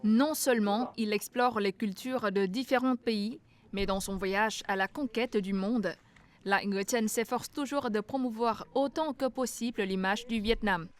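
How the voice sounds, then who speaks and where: A woman narrating a news feature as a voice-over, reading in a measured way. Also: on the high side.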